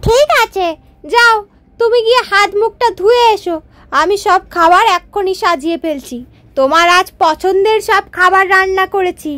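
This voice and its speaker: Woman acting a very high-pitched eager village wife. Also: normal speed, a bit bright, a little hiss or hum. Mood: doting. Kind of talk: Bengali cartoon moral story dubbing.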